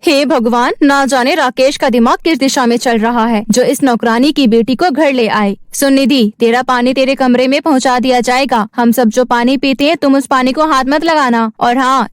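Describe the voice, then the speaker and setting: A haughty rich wife, put on by a woman narrator, speaks in a high voice with scorn and bossy spite. It is a cartoon villainess aunt, recorded dry and close. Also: no echo, natural voice. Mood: scornful.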